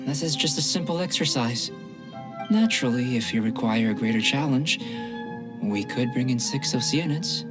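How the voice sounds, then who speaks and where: A man voicing a calm young male alchemist in a game, measured, clinical and politely detached. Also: mid-range voice, lightly acted. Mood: composed. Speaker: game character. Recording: game audio with music behind.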